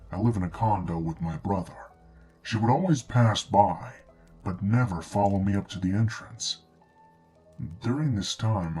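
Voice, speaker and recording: A man reading a scripted first-person horror story in a measured, understated way, as a narrator. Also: on the low side, a little mellow, breathy edge. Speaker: narrator of true scary stories. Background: background music.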